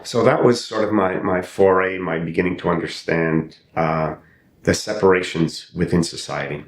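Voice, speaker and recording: Deep-voiced older man, roomy recording. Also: steady tone, normal speed. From Canada. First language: not English. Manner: thoughtful, with frequent restarts and repeated phrases. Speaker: podcast guest, actor and playwright. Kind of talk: reflective interview storytelling. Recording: roomy with faint rumble.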